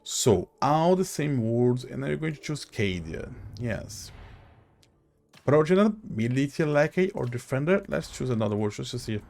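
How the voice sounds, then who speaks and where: A man hosts a gaming video in a gravelly, mid-pitched voice. He comments casually and haltingly, thinking aloud. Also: lively intonation, a little mellow.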